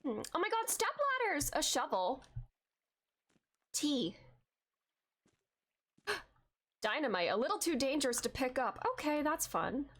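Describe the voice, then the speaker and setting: A woman's voice: high voice, measured pace, pauses often. A young woman streaming a game, chatting casually with viewers, with a congested voice and lots of filler likes. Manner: chatty, many filler likes, excited outbursts at finds. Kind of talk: casual gameplay chat with viewers.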